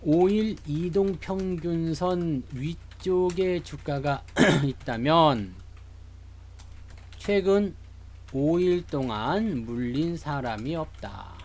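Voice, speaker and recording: A man's voice: fairly high pitch, very slow, darkish tone. Chatty man explaining stock charts. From Seoul. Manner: chatty, jokey, greets live chat viewers. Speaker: stock market streamer. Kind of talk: live stock market lecture.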